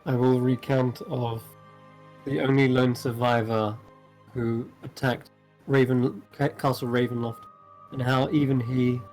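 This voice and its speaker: A man improvising in character as a tabletop game player, speaking in a halting, measured, matter-of-fact way. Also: mid-range voice, little pitch movement, darkish tone. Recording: music playing behind the voice.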